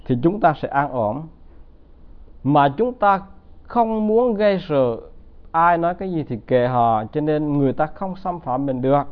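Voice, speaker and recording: A man giving a Buddhist dharma talk, telling stories and often asking the audience to agree. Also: a little high. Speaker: Buddhist teacher. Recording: tinny phone-like sound.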